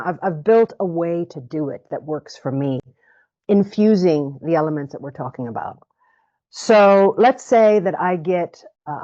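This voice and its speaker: A woman with a fairly low voice talks reflectively as an interview guest. She picks up phrases and repeats them while she thinks. The sound is dull and lo-fi. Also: darkish tone. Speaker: guest speaker coach. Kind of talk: interview conversation. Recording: muffled lo-fi recording.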